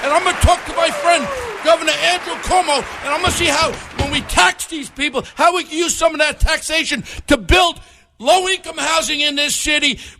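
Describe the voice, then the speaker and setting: In a New York accent, a man with an extremely high pitch projects a raised, animated voice at a fairly quick pace over noticeable background noise. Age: 60s. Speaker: retired police officer and mayoral candidate. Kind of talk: radio interview announcement. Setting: radio studio.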